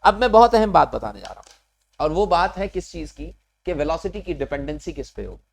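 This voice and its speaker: A man's voice: fairly high pitch, very animated, fairly quick, vocal fry. A man teaching physics to a class, explaining step by step and often stopping to ask the students questions. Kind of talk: classroom lecture.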